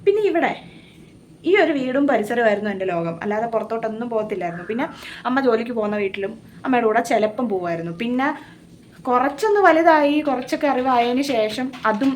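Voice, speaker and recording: Young woman vlogger, light high voice, gentle confiding chatter, outdoor garden. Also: fast, a little hiss or hum. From Kerala, India. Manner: soft-spoken, musing and confiding. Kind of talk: casual vlog chat to camera.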